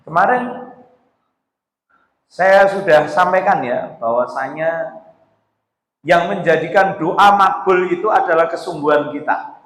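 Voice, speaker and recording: A male Islamic preacher, giving a casual, animated sermon to a women's study group. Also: fairly high pitch, slow, long pauses. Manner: casual preaching, mixing Javanese words, animated. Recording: echoey hall reverb.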